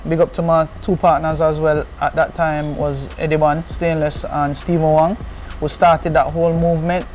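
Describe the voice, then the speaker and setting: A man's voice: fairly high pitch, little pitch movement, normal speed, darkish tone, slight background noise. A man from Jamaica with a Jamaican accent, chatting casually in patois-flecked English as an interview guest. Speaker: interview guest, car content creator.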